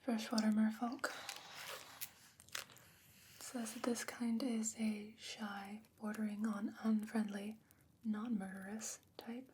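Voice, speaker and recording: A woman playing a patient, bookish sorceress in a fantasy ASMR roleplay, whispering breathily and explaining in a measured, gently skeptical way. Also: on the high side, little pitch movement, a little hiss or hum. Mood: studious.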